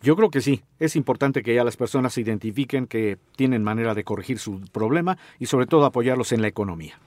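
Middle-aged Mexican doctor-host, speaks straight to the listener in a steady, teaching way, dry studio voice. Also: male voice, medium pitch, fast talker, no room sound. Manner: didactic, addresses listener directly with questions. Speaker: doctor hosting a health radio show. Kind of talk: informative radio talk.

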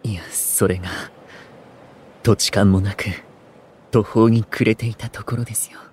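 A man playing a composed, courteous and earnest gentleman in a voice drama, with measured, slightly formal speech. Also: on the low side, steady tone, breathy edge. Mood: troubled. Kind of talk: Japanese voice drama acting.

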